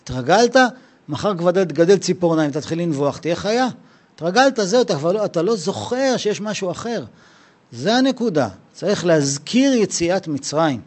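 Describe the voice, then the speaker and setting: A male Torah teacher gives a casual, slangy Passover lesson about leaving Egypt, his voice a little high for a man. He is animated and keeps slipping into imagined dialogues, playing both sides himself.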